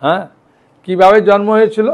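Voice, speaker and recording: A man's voice: high-pitched, fairly even intonation, brisk. A man giving a devotional lecture as a monk. He talks in a conversational, reassuring way and often checks in with his listeners. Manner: conversational, reassuring, checks in with "hyan" and "thik ache".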